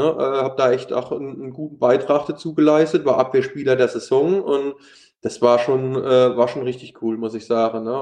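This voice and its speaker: A man's voice: medium pitch, a little mellow, reverberant. Man with a Palatinate German accent. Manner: hesitant, many fillers and restarts. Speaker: former pro footballer, youth coach. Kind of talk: interview, casual talk.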